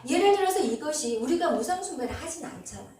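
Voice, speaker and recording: A woman pastor teaching a Bible passage to her congregation, explaining as she goes with frequent pauses and fillers. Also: high voice, animated, mellow. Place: church sanctuary. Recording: very echoey hall, voice from far off.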